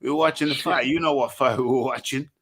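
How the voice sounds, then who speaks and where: A man hosting a boxing talk show, lively, often stumbling and repeating words before he finds the point. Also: medium pitch. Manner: lively, stammering restarts, quick affirmations. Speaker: host.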